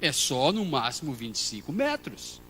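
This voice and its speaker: A Brazilian man preaching a sermon as pastor, moving between quiet storytelling and loud shouted passages. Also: on the high side, wildly swooping pitch, moderate pace, slight background noise. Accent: Brazilian Portuguese. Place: church hall.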